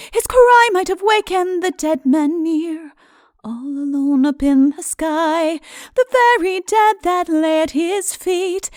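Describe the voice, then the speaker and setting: A woman playing a sweet-voiced singer of sad old ballads, singing slowly with a mournful lilt in an audiobook. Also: very high-pitched, a little mellow, no room sound, studio quality. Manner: mournful, drawn-out lilting delivery. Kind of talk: slow sung ballad.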